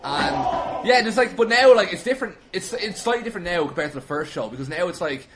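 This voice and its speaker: A man's voice: high voice, animated, fast, noisy background. An Irish man chatting casually as a podcast guest, awkward and self-deprecating in how he talks. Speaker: podcast guest, wrestling video maker. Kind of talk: casual chat.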